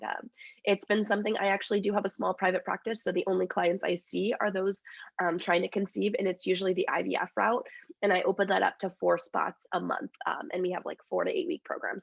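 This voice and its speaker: A woman's voice: mid-range voice, gravelly, no echo, muffled recording. A woman in her thirties with a cold and a congested voice, chatting openly as an interview guest about her work and life. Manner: open, chatty, many fillers. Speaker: dietitian and author, interview guest. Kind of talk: casual interview chat.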